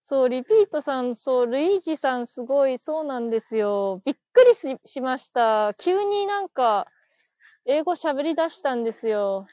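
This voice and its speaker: A woman's voice: sits high, sing-song, normal speed, dark tone, no echo, lo-fi sound. A woman hosting a casual live stream, chatting, laughing and reading listener comments aloud as she thanks each viewer. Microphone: phone.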